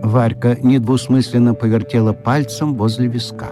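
A man narrating a children's audiobook in a measured storytelling manner. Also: mid-range voice, steady tone, music in the background.

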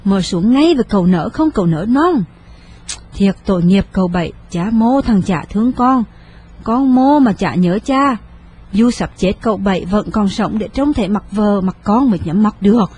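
A woman voicing a fussy middle-aged servant woman in an audio story, fretful and loud. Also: medium pitch, expressive, moderate pace, slightly rough. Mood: pitying.

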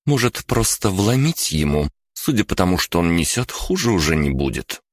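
A man's voice: low-pitched, sing-song, moderate pace, dry recording, studio quality, pitched above the performer's own voice. A man voicing a tired, curt young woman who is short-tempered. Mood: weary. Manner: weary, curt.

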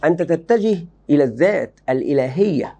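A man's voice: on the high side, animated, a little fast, gravelly, warm tone, breathy edge. Emphatic man teaching religion. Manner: emphatic, repeats key phrases, quizzes students. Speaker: Islamic teacher. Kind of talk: religious lesson explaining a book.

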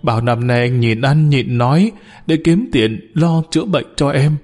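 Bitter underling turned accuser, read by a man; mid-pitched, scornful. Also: expressive, moderate pace, darkish tone, natural voice. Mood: sobbing. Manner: mocking, accusing, wailing. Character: bitter downtrodden male underling, scornful, sobbing.

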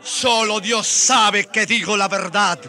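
A man's voice: high-pitched, fairly even intonation. An actor playing an impassioned colonial Christian man who declaims like a preacher in a radio drama. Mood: fervent, pleading. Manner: fervent, slow preaching declamation. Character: impassioned colonial Christian man denouncing wrongs against Indians.

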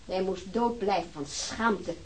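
A woman's voice: medium pitch, a little slow, darkish tone, a little hiss or hum, close to an everyday voice, low-quality recording. An actress playing a haughty, aristocratic woman who speaks coldly and scornfully. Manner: cold, scornful, disdainful. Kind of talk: radio play acting.

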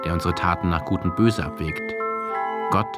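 A man's voice: sits low, moderate pace. A man narrating a scripted radio play as its journalist narrator. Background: music.

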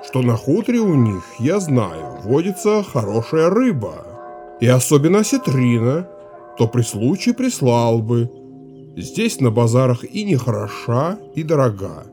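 A man's voice: medium pitch, darkish tone. An actor playing a stern, pompous old male seminary rector in a radio play. He speaks in a lordly, threatening way and gives fussy, businesslike orders.

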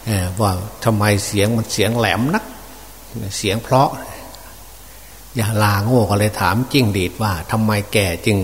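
A man preaching as a monk, folksy and unhurried, with many fillers. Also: fairly low pitch, fairly even intonation. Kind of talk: Dhamma sermon. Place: open temple hall. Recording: distant reverberant hall with faint noise.

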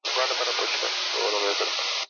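A man's voice: on the low side, fairly even intonation, rapid-fire. A man with a Brazilian accent making brief, clipped radio callouts and readbacks as a pilot. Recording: muffled, noisy aviation radio.

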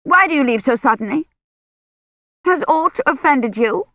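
A reader voicing a sharp, imperious old noblewoman. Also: high-pitched, lively intonation, a little slow, no room sound, muffled recording, voice pushed up. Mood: insistent. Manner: sharp, commanding, insistent.

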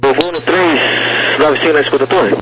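A man's voice: on the high side, normal speed. Male air traffic controller on crackly radio. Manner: clipped procedural instructions. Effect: crackly radio transmission. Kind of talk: aviation radio phraseology. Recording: crackly, noisy aviation radio.

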